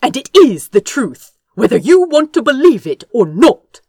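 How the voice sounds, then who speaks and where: A woman's voice: a little high, sing-song, moderate pace, dark tone, breathy edge, no echo, studio quality, voice pushed up, full character voice. A woman voicing a principled younger prince in an audiobook, defiant and indignant, with a tart, insistent, disapproving manner. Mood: tart insistence.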